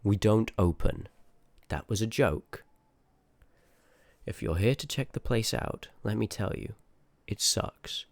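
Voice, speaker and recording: A man's voice: fairly low pitch, animated, slow, no room sound. A man voicing a rude, sarcastic, reluctant sorcerer of a haunted house in a scripted ASMR roleplay, grumbling and dismissive, close on the microphone. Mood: sarcastic, weary.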